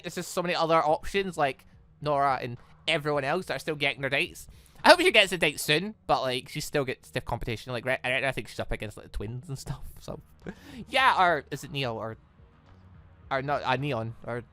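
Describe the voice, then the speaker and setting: An excitable, chatty let's player giving casual reaction commentary on a video game. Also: mid-range voice.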